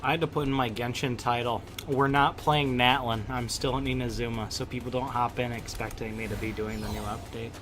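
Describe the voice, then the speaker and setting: A man hosting a casual gaming livestream, slangy and halting, joking at his own expense with game music behind him. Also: mid-range voice, steady tone, background noise. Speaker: livestream host. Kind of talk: casual gaming stream chat.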